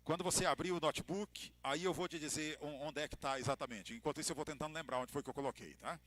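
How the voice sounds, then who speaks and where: Brazilian pastor with a slightly high voice. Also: male voice, brisk, a little hiss or hum. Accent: Brazilian Portuguese. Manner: storytelling, expressive emphasis, light humor. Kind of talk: church lecture to couples.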